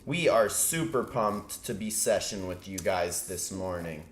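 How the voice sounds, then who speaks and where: A man's voice: sits low, expressive, measured pace, slight background noise. Chill guy hosting a morning stream, cusses a lot, roomy echo. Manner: laid-back, swears casually. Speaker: host. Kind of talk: casual morning show chat. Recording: echoey room.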